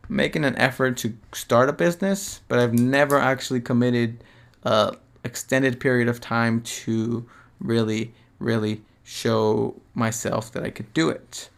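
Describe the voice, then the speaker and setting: A man's voice: mid-range voice, gravelly, a bit bright. A man of twenty hosting his own podcast, talking alone in a rambling, slangy way, swearing often and restarting his sentences. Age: 20s. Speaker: podcast host. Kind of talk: casual reflective solo monologue.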